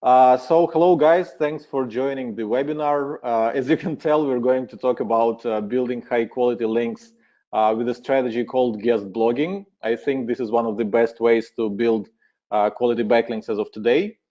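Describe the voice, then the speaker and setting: Mellow man with a Ukrainian accent. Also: mid-range voice, moderate pace. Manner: relaxed, friendly, many filler uhs. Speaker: webinar presenter. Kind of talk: webinar presentation.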